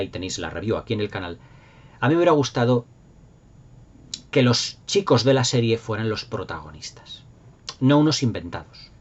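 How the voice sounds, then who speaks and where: Low-voiced Castilian Spanish man, enthusiastic rambler. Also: highs cut off. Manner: enthusiastic, rambling, repeats words for emphasis. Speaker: video channel host. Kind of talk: casual nostalgic review of cartoons, unscripted.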